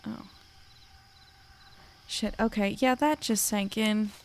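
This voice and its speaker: A woman acting a curious young newspaper editor in an audio drama, chatty and wry, often thinking out loud. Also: mid-range voice, slow pace, a little hiss or hum. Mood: uneasy, musing. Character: curious, plucky young female newspaper editor, self-deprecating. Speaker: lead actor and narrator. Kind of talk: audio drama acting with first-person narration.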